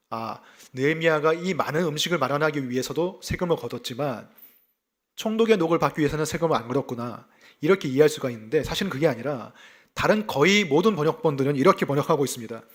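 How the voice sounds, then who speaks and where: A male pastor from South Gyeongsang delivering an expository sermon, explaining scripture and telling personal stories, often asking his listeners rhetorical questions. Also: a little high. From South Gyeongsang, South Korea. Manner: lively expository preaching with personal anecdotes; asks the congregation rhetorical questions.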